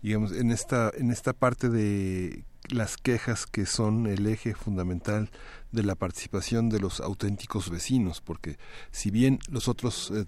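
A man hosting a radio talk show, speaking in measured, halting phrases. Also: on the low side, darkish tone.

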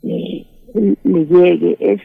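A woman's voice: fairly low pitch, steady tone, vocal fry, no room sound. A woman journalist with a Mexican accent, answering in a radio interview and often stopping to search for her words. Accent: Mexican Spanish. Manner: halting, searching for words, many restarts. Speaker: journalist and former teacher. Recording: tinny phone-line sound, dry.

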